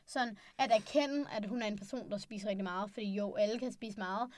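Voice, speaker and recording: A young woman in a casual book discussion, animated and acting out what the characters say. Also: medium pitch, a little hiss or hum. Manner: animated, acts out characters' lines.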